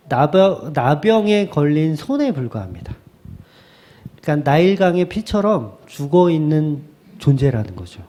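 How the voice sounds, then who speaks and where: A male pastor preaching a sermon in a lively way, slipping into quick acted asides. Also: fairly high pitch.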